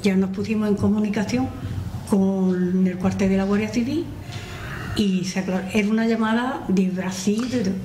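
A woman's voice: mid-range voice, moderate pace. Older lady telling her story, echoey noisy room. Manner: animated, retelling a scare. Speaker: guest. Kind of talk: casual storytelling. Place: community hall with audience. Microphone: table mic on stand. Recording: roomy hall, audible noise.

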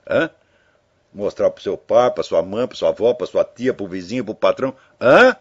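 Husky older man, rambling commentary. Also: lowish voice, expressive, moderate pace. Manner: rambling, tag questions, anecdotal. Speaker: commentator addressing listeners. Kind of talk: casual spoken commentary. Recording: dull lo-fi audio.

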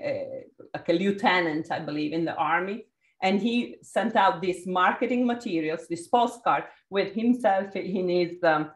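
Italian-accented woman facilitating over a video call, lively and encouraging, roomy echo. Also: mid-range voice. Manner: energetic, encouraging, calls on participants. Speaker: workshop facilitator. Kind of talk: leading a group video call.

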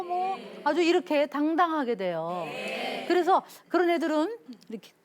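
High-voiced woman lecturing on parenting. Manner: acts out parents and children in quick quoted lines, earnest and lively. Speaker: professor teaching a parenting class. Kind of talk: lecture to an audience.

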